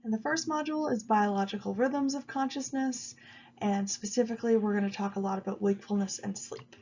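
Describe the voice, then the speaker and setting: A woman giving a recorded video lecture while she has a cold, explaining at an even pace with frequent ums. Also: medium pitch, a little fast, highs cut off, a little hiss or hum. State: stuffy with a cold. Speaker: college psychology instructor.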